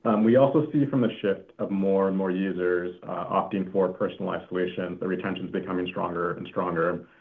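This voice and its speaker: A man with a very low voice full of vocal fry answers as an executive on an earnings call. He speaks haltingly, pausing mid-phrase. The sound is narrow, like a phone line. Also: fairly even intonation. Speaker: company executive answering analyst questions.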